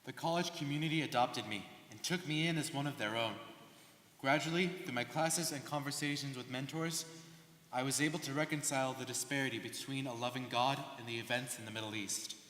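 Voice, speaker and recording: A young man performing a scripted dramatic reading as an earnest immigrant alumnus, emphatic and deliberate. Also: medium pitch, fairly bright tone, close to an everyday voice. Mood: heartfelt. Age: young adult. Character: earnest male immigrant alumnus finding healing. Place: large hall. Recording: echoey reverberant hall.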